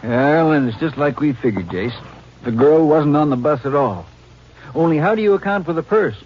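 A man's voice: fairly high pitch, lively intonation, normal speed, lightly acted. A man playing a folksy, skeptical small-town Texas sheriff in an American 1950s radio drama. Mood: puzzled. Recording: noisy, dull vintage radio recording.

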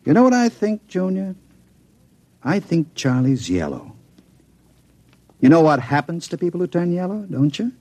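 An actor playing a cold, scheming gang boss in an old radio drama, with a smooth, sardonic menace. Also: male voice, a little high, big pitch swings, moderate pace, pauses often, darkish tone, no echo. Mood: menacing. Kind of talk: 1940s radio acting.

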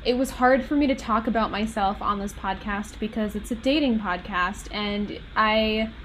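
A woman's voice: mid-range voice, moderate pace, fairly bright tone. A young woman with a Minnesotan American accent hosting a podcast as a candid, chatty, rambling and self-deprecating monologue. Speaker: podcast host. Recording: noticeable background noise.

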